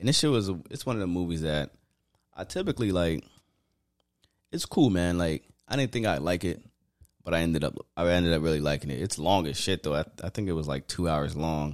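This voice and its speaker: The pace is fairly quick, broken by long, frequent pauses. The tone is calm, with ordinary pitch variation. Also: man, very deep, low pitch for a man. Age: 20s. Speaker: podcast host. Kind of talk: casual solo podcast monologue. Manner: laid-back, calm.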